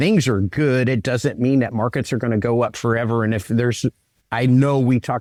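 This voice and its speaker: Recorded very cleanly against a silent background, a man with a normal speaking voice talks at a fairly quick pace, medium in pitch, with fairly even intonation. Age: 60s. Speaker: cattle industry consultant. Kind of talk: interview.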